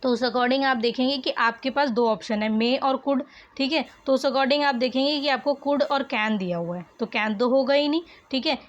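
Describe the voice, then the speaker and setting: A woman's voice: high voice, normal speed, hardly any pauses, lo-fi sound. A woman teacher, explaining a worksheet lesson patiently and repeating each answer for her students.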